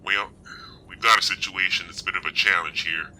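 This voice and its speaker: A man playing a folksy, matter-of-fact forest service officer in an amateur audio drama, speaking in a measured way. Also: sits low, fairly even intonation, sharp tone, slight background noise, low-quality recording. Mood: concerned, businesslike.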